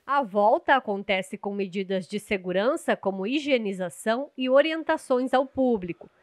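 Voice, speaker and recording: A young adult woman reporting the news from outdoors at an agricultural fair, speaking into a handheld mic in a measured, scripted way. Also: on the high side, animated, no echo, studio quality. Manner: measured, clear reporting delivery.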